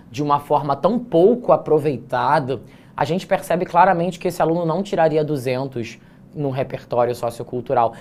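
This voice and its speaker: A man's voice: a little high, darkish tone. A male teacher giving a casual lesson on essay writing, chatty and explanatory, talking to students informally. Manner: mixes slangy asides with grammar points. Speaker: teacher correcting an exam essay.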